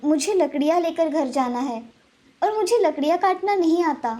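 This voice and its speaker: A woman voicing a timid, gentle young girl in a cartoon story, speaking softly and pleadingly. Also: extremely high pitch, normal speed. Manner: pleading, soft. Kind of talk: cartoon voice acting.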